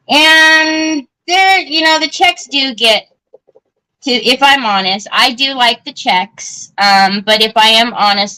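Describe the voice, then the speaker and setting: A woman's voice: a little high, bright, forceful tone, low-quality recording. A woman hosting a live crafting stream, chatting casually and answering viewer comments with lots of fillers and restarts. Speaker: craft livestream host.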